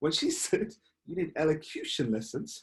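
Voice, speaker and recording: With an East London accent, a man talks at a moderate pace in a fairly high pitch. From East London, England. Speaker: professional public speaker. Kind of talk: interview. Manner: animated.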